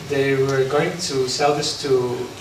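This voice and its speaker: Slow, halting monk in an echoey hall. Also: male voice, mid-range voice, steady tone. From Netherlands. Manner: halting, many pauses and fillers. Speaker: Buddhist monk giving a talk. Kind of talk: unprepared talk at an interfaith forum. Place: large hall. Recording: echoey hall from far off, background noise.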